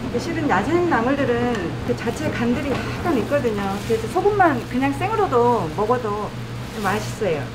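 A woman's voice: on the high side, big pitch swings, normal speed. A middle-aged woman cook explaining her dishes in a casual, friendly way while she works with her hands in a restaurant kitchen. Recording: noisy kitchen recording.

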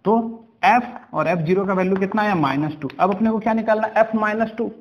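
A man's voice: sits high, highs cut off, slight background noise. A man teaching a maths lesson, working step by step through problems and often asking whether the class understood. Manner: slow, step-by-step, checks understanding with questions.

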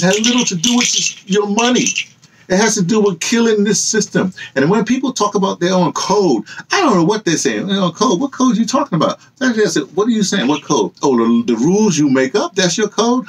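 Animated, husky older American man. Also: sits high. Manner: animated, emphatic, rhetorical questions, gesturing. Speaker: vlogger and activist commentator. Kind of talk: impassioned off-the-cuff opinion monologue. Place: small cluttered indoor room with books and hanging fabrics.

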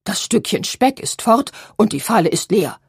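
A woman's voice: medium pitch, animated, moderate pace, breathy edge, no room sound, clean studio sound. A woman reading a scolding old grandmother. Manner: agitated, scolding. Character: scolding old grandmother, loud and sharp-tongued.

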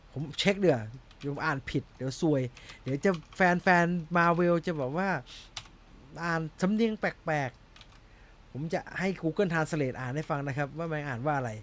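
A man's voice: a little high, a little slow, slight background noise. A young man hosting a casual film-news chat, rambling and laughing at himself as he fumbles over a name. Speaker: movie news host.

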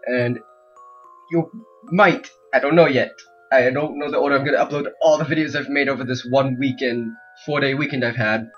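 A man's voice: mid-range voice, steady tone, normal speed. Male gamer on a dull lo-fi mic. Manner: rambling, joking asides. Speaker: gaming video host. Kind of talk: casual let's play commentary with reading game text aloud. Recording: dull lo-fi mic with game music. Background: video game music.

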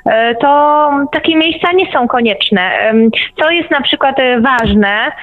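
A woman's voice: sits high, slow. A woman speaking as an interview guest, explaining things conversationally over a tinny line. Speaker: interview guest, writer and lecturer.

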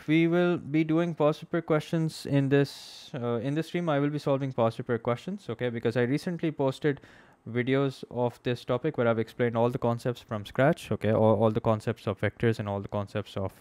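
A man's voice: medium pitch, fairly even intonation, normal speed, hardly any pauses, darkish tone, clean tone, no room sound. A young man with a Pakistani accent gives an informal live-streamed maths lesson as the teacher, conversational and often checking in with his listeners. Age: young adult. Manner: conversational, checks in with "okay?", slips between English and Urdu. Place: small indoor room at a desk. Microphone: close microphone on a boom arm.

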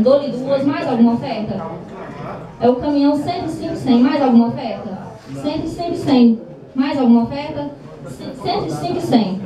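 A woman with a Brazilian accent calling bids at a live auction, repeating figures and prompts in a chant. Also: high-pitched. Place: small crowded indoor meeting room. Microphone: distant handheld camera in audience. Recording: roomy far-off camera, audience noise.

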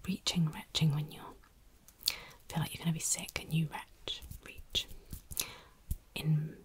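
A woman with a Yorkshire accent speaks almost entirely in a breathy whisper, her voice sitting low. She repeats words slowly and gently, one after another, in a calm ASMR manner. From Yorkshire, England. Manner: soft repetitive whispering of single words.

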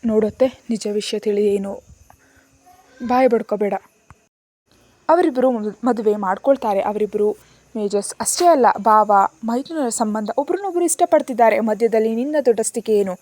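Storybook figure: woman voicing a stern, protective young man, warm dark timbre. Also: mid-range voice, moderate pace, pauses often, dry recording, lightly acted. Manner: stern, forceful.

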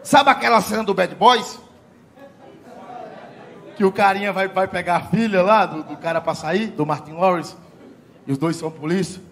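A middle-aged man works a live crowd in a stand-up routine. His voice sits high for a man and has a gravelly rasp. He is profane and animated, and faint audience noise hums behind him on stage. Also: moderate pace, pauses often. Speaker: stand-up comedian.

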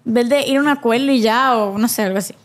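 High-voiced earnest nineteen-year-old woman. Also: quick pace. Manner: earnest, mixes in English words. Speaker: podcast guest, host's daughter. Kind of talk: casual family podcast chat.

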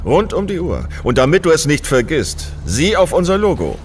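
A man's voice: fairly high pitch, wildly swooping pitch, moderate pace, a little hiss or hum. A man playing a stern, demanding father in an audio drama, speaking in a solemn, commanding way. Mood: stern, urgent. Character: stern, demanding father burdening his young son.

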